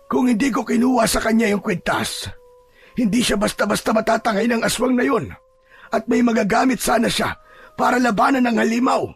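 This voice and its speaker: Man playing a very husky old grandfather. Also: very high-pitched, a little fast, soft background music, exaggerated voice. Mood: remorseful. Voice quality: gravelly, husky. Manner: earnest, soothing. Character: gentle, remorseful old grandfather consoling his daughter. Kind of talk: Filipino audio drama acting.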